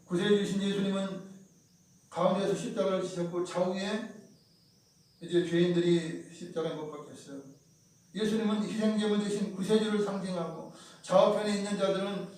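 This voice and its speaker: High-voiced pastor preaching in a church. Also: male voice, fairly even intonation, normal speed, a little mellow. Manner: conversational preaching, acts out quoted voices. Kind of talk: sermon. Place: church sanctuary. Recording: roomy church sound, mic at a distance.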